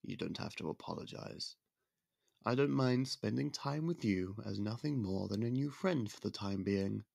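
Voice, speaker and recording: Young royal suitor, male, deep and fry-laden, soft-spoken and courteous, dry close-mic ASMR read, voiced by a man. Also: expressive, normal speed, dry recording, full character voice. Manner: polite, formal, soft-spoken courtship talk. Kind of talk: ASMR roleplay.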